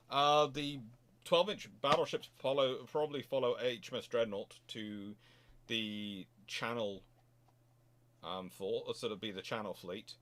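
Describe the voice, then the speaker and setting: A man with a mid-pitched voice speaks casually as a livestream host taking questions. He thinks out loud in a halting, conversational way, circling back over phrases as he builds each answer. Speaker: host of a naval history stream.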